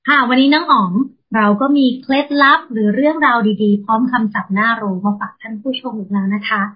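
A woman co-hosting a radio show, explaining English vocabulary patiently and spelling words out letter by letter. Her voice is somewhat high and a little husky. The sound is dull and lo-fi. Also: fast talker. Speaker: radio co-host.

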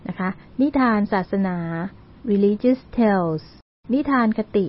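A woman's voice: mid-range voice, takes it slowly. A woman from Thailand presenting an educational community radio talk, speaking politely with frequent particles and English terms mixed in. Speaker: university learning centre presenter. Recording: dull lo-fi radio recording.

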